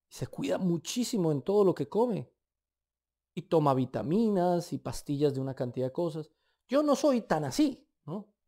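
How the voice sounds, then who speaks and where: A man with a Colombian accent preaching a sermon in an emphatic, animated way, with light asides. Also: fairly high pitch. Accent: Colombian Spanish.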